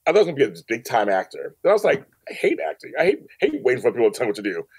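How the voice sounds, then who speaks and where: A man in his fifties with a very lively, swooping delivery, recorded close and dry. He tells stories as a podcast guest, repeating phrases for emphasis and playing out bits of dialogue. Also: medium pitch, very fast, husky, no room sound. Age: 50s. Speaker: podcast guest, professional organizer. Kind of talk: animated storytelling in a casual interview.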